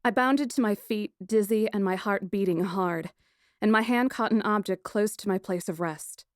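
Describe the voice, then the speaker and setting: A woman's voice: medium pitch, normal speed, no room sound. Woman narrating fantasy fiction, dry close sound. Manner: dramatic, expressive storytelling. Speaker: audiobook narrator. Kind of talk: expressive first-person scripted fantasy narration.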